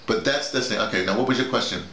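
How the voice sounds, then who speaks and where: Quick and medium-pitched, the man's voice sounds pushed and bright, with a touch of hiss or hum in the roomy, echoing recording. He's a middle-aged leader of an audio drama workshop, steering an informal talk in a small bedroom with bare walls. He stresses his ideas by repeating them and performing examples.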